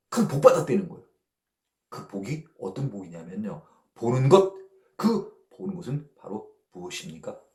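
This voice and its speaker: Lively pastor teaching in echoey room. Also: male voice, lowish voice. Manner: conversational, often checks in with short tag questions; chuckles lightly between points. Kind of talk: Bible study teaching.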